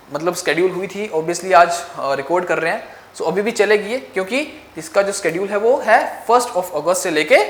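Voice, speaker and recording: A woman with an Indian accent runs an exam coaching lesson on current affairs. She repeats each key point and keeps asking "ok?" to check that her students follow. Her voice rings in an echoey room, with a faint hum of ambience behind it. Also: mid-range voice. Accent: Indian English. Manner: repeats key facts with frequent "ok?" check-ins.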